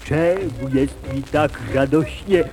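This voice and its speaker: A man's voice: a little high, slow pace. A man voicing a cheerful, greedy little puppet dragon in a singsong way for a children's musical show. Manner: singsong, exclaiming, rhyming delivery. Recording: music behind, old children's record.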